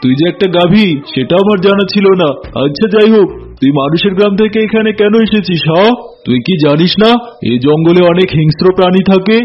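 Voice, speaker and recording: A foolish, wicked cartoon tiger, played by a man, with a very high-pitched male voice. He blusters and boasts with simple-minded menace. Music plays behind him and the audio is a bit dull. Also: fairly quick. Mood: nosy, blustering. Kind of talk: cartoon voice acting.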